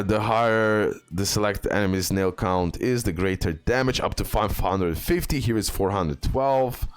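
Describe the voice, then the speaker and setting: A man with a low-pitched voice talks through gaming news as a content creator would. His delivery is informal and halting, with frequent fillers and little check-in tags as he goes. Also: clear, resonant tone. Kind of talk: casual gaming news commentary over on-screen images.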